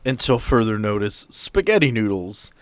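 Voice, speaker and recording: A man's voice: lowish voice, big pitch swings, normal speed, slight background noise. A man running a tabletop horror game as game master, improvising narration and rulings in conversation.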